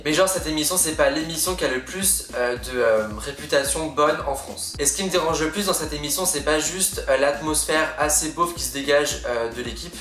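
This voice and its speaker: A man giving casual commentary as a YouTuber, often pausing to search for words. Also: fairly high pitch, a bit bright, roomy sound.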